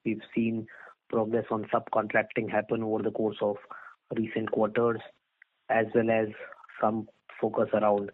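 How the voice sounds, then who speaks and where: A man, an analyst asking a formal question on an earnings call. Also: lowish voice. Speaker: equity analyst. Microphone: phone. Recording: thin phone-line audio.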